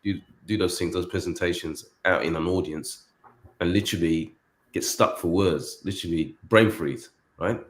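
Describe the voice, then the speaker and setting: A man's voice: deep voice, normal speed. A man in a casual chat, speaking animatedly and often repeating words. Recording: roomy echo.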